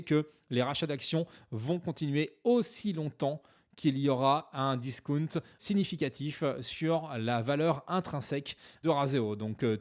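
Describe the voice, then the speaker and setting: A man's voice: medium pitch, a little mellow. A French-speaking man explaining stock investments to viewers in a conversational way, with frequent hesitations. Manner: conversational, many "euh" fillers; jokes about his own English accent. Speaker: finance YouTuber.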